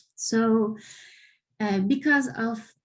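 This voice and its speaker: A woman's fairly high, somewhat breathy voice with a French accent and fairly even intonation, in a very clean recording with a silent background. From France. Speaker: postdoctoral researcher. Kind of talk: lecture. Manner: halting, many fillers.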